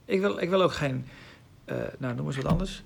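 A man's voice: on the high side, brisk, creaky, slight background noise. A man giving informal Bible teaching in Dutch, reading scripture aloud and explaining it with emphasis.

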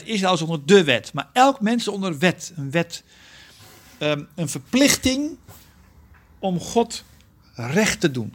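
A man's voice: high voice, fairly bright tone. A man leading a Bible study, explaining scripture verse by verse and often checking with his listeners. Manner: earnest, often asks the group questions; explains verse by verse, self-correcting. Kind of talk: interactive Bible teaching.

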